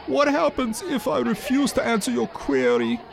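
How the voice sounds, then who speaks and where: A stubborn existentialist in a comedy sketch. The voice is high and gravelly. He speaks with lofty, obstinate disdain. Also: moderate pace, a crowd in the background, exaggerated voice. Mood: haughty defiance. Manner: haughty, obstinate. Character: haughty, obstinate German existentialist Hans.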